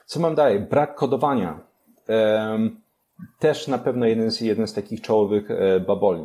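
A young male podcast guest walks through learning methods step by step, pausing on fillers and restarting his phrases. His voice is mellow and fairly low.

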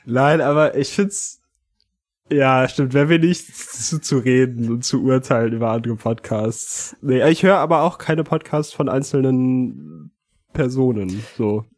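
A man hosting a podcast in casual comedic chat, with deliberate, drawn-out emphasis. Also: mid-range voice, darkish tone. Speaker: podcast host.

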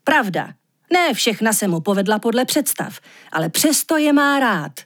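A woman narrating an audiobook fairy tale with lively, expressive storytelling. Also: fairly high pitch.

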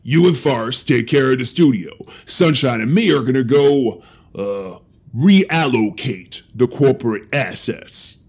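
Big friendly troll, husky and gravelly, folksy broken grammar, cyberpunk radio play. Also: male voice, mid-range voice, expressive, measured pace, a little mellow. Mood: easygoing, reassuring. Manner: folksy broken grammar, third-person self-reference. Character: big male troll shadowrunner philosopher, friendly, simple-spoken. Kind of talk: cyberpunk audio drama acting.

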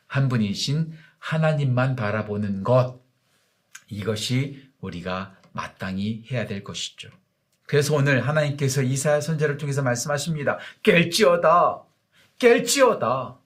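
A male pastor giving a morning devotional sermon, emphatic and speaking directly to his congregation, slowing down to stress key words. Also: on the high side, a bit bright.

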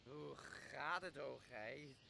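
A young man, a student actor in a radio play, playing a servile, spiteful island monster with a creaky voice. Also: mid-range voice, slow, noisy background. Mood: fawning, pleading. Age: young adult. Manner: grovelling pleas and spat insults. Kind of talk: amateur radio drama acting.

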